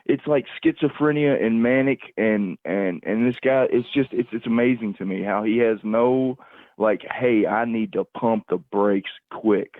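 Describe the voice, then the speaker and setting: Guy calling into a stream on a thin phone line, kinda low voice, rambles and stumbles repeating himself. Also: no room sound. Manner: halting, repetitive, searching for words. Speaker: call-in caller on a livestream. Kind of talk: casual rambling commentary. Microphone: phone call. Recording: tinny, narrow phone-call line, dry.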